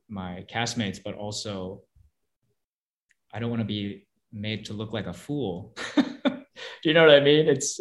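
A young man, an actor whose first language is Korean, answering interview questions thoughtfully, with frequent restarts and soft laughs. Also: on the low side.

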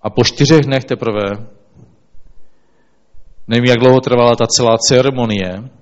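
A man reading scripture aloud and then preaching, in a slow, measured way with small restarts. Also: medium pitch, steady tone. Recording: dull lo-fi recording.

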